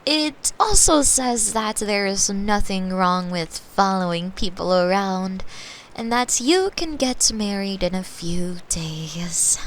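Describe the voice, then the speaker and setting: Woman voicing a tender girlfriend, very slow pace, soft and breathy, intimate sleep-aid roleplay, faint noise behind. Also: medium pitch, poor audio. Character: caring, playful girlfriend soothing her partner to sleep. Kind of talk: intimate bedtime roleplay ASMR.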